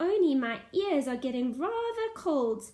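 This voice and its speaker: The voice is a put-on character voice. Its pitch swings very widely while the pace stays fairly slow. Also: woman, high pitch for a woman. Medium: read story.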